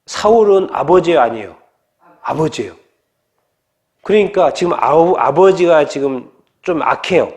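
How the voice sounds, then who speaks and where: High-voiced male pastor, storytelling sermon. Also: lively intonation, normal speed, long pauses, a little mellow. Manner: many rhetorical questions.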